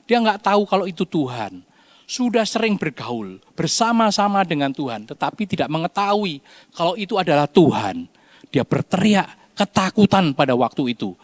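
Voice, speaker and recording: Animated man telling a Bible story. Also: a little high, normal speed, dry recording. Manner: animated storytelling, acts out cries. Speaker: Sunday school teacher. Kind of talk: children's Bible lesson.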